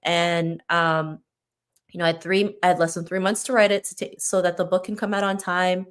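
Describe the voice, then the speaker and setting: A clear, resonant voice on the low side, level in tone and at normal speed, belongs to a woman from Toronto, Canada, born in the Philippines and not a native English speaker. As an author guest on a podcast, she talks in a casual, motivational interview manner.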